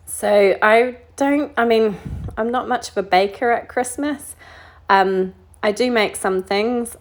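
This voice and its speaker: Chatty New woman, low voice. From New Zealand. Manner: chatty and relaxed, with frequent ums and small laughs. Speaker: card-making crafter. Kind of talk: casual voice-over narration while colouring. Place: home craft desk.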